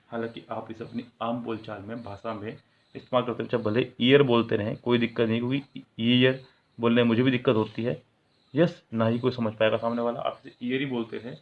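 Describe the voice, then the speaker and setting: Man teaching grammar over a tinny line. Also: medium pitch. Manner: asks the viewer questions and answers them himself; explains English in Hindi, reading example sentences aloud. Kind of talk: classroom-style video lesson. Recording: tinny, phone-like sound.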